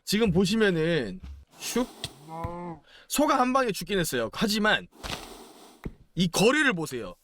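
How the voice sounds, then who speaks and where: A man's voice: sits high, sing-song, moderate pace, a bit bright. A young man giving playful, chatty commentary while playing a game, chanting and exclaiming as he goes. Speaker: gaming YouTuber.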